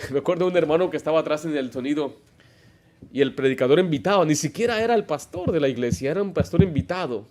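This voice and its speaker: A man's voice: a little high, animated, fast talker, a little mellow. A man, preaching a Baptist sermon as pastor, emphatic and full of stories and rhetorical questions. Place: church.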